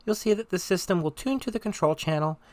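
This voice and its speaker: A presenter giving step-by-step software tutorial narration in an instructional, conversational manner. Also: medium pitch, animated, quick pace.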